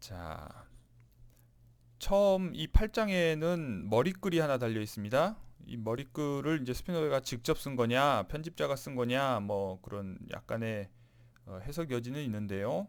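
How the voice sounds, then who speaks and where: Speaking at a fairly slow pace and medium pitch, a man makes very wide pitch swings and big swings in loudness. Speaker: lecturer. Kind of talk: lecture. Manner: filler-heavy.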